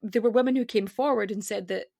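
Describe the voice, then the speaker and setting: A woman guest with a regional accent on a podcast, chatting casually and rapidly, cutting herself off with fillers. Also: medium pitch, gravelly, mellow, no echo, clean studio sound. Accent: non-standard regional accent. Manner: rapid, self-interrupting, with frequent fillers.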